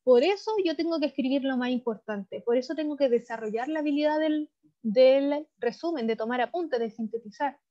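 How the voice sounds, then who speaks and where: Chilean woman teacher, high voice, explains patiently over a muffled video call. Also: brisk, mellow. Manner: frequent tag questions, explanatory. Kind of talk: online class lecture. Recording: dull lo-fi video call audio.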